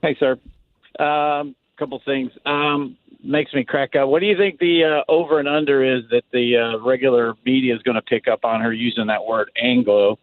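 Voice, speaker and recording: A man's voice: medium pitch, fairly even intonation, normal speed. A man calling in to a radio show from Dallas, casual and rambling with many fillers. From Dallas, Texas. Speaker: caller. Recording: phone line.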